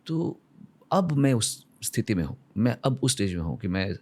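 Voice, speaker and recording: A man's voice: on the low side, sing-song, moderate pace, a little mellow. A man in his forties from India, speaking as a podcast guest. He tells reflective, emotional stories and mixes English phrases into his speech. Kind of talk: reflective conversational storytelling.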